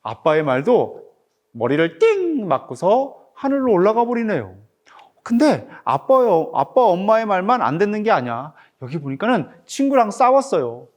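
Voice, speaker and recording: Lively middle-aged man reading to kids. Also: high-pitched, moderate pace. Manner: animated, questioning the listeners like a teacher. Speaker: picture book author. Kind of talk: reading a picture book aloud to children.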